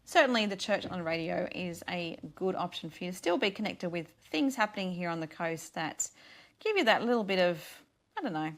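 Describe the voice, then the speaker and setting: A woman's voice: lowish voice, expressive, brisk. Tired woman radio host, losing her voice. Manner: earnest, rambling, frequent restarts. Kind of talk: casual devotional radio talk.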